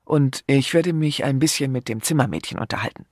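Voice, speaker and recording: A man's voice: medium pitch, brisk, darkish tone, no echo, clean studio sound, close to an everyday voice. A man voicing a shrewd older chief inspector who plays the genial country type and answers evasively. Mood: jovial.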